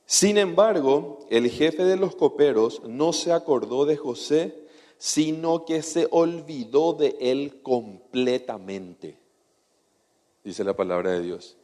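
Male preacher, slightly high voice, chatty sermon, long hall reverb. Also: takes it slowly, mellow. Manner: conversational, keeps checking in with the audience.

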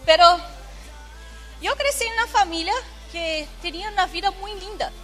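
Woman, very high bright voice, animated stage storytelling, music behind. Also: normal speed. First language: Portuguese. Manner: animated, conversational, mixes Portuguese into Spanish. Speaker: stage speaker. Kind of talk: personal storytelling to an audience. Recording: live event, music behind.

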